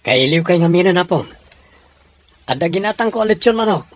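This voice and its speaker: An actor playing a proud, defiant young adult son in a radio drama, with a Filipino Ilocano accent. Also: male voice, high voice, animated, brisk. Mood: earnest.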